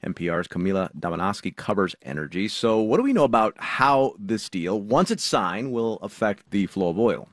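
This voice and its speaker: A man's voice: lowish voice, expressive, normal speed, few pauses, no echo, clean studio sound. A man hosting a radio news show, introducing a correspondent and asking questions with light banter. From California. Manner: smooth anchor delivery, light banter. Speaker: news host.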